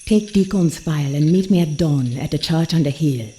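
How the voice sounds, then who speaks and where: An actress voicing a commanding, seductive voodoo priestess in a video game, a mysterious mentor with a portentous, folksy way of talking. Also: female voice, deep voice, normal speed, warm tone, slight background noise, natural voice. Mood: grave, urgent. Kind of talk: dramatic game cutscene acting.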